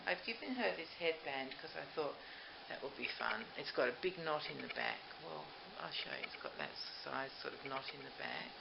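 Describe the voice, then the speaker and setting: An older woman with a very deep, animated voice and vocal fry gushes about dolls to camera, barely pausing at a moderate pace. She makes the dolls and hosts the video herself. It's a noisy, muffled, roomy home recording.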